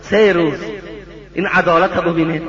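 A man preaching a sermon, telling a story in an animated way and turning to address his listeners directly. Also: high-pitched. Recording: dull lo-fi recording with crowd behind.

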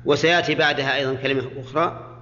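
A man's voice: medium pitch, steady tone, rapid-fire, bright, forceful tone. A man teaching Quranic grammar in a classroom lecture, explaining point by point and checking with students. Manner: explains point by point, often asks students "ha?" and "clear?". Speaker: Islamic scholar teaching Quranic exegesis. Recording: dull, lo-fi lecture recording with long reverb.

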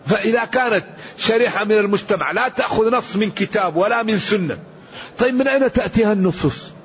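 A man's voice: high voice, animated, quick pace, husky, muffled recording. A man giving an earnest, emphatic Quran commentary lesson, quoting scripture and sayings as he preaches. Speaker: Quran teacher.

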